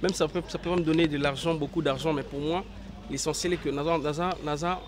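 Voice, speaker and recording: A young man from Congo with a hoarse voice from a cold, answering interview questions outdoors in a halting, filler-heavy way. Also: a little high, steady tone. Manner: hesitant, many fillers and restarts. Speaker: interview guest, actor. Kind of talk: casual interview, mixing French and Lingala.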